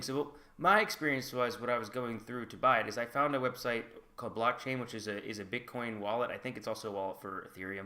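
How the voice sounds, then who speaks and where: A man at a very fast pace, medium pitch, and ordinary pitch variation, over noticeable background noise. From United States. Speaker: vlogger. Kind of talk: casual vlog talk. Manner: casual, somewhat halting.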